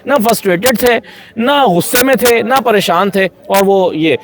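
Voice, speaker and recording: A man's voice: high-pitched, unhurried, crowd noise. A man with a Pakistani accent giving conversational political analysis as a journalist, repeating phrases for emphasis.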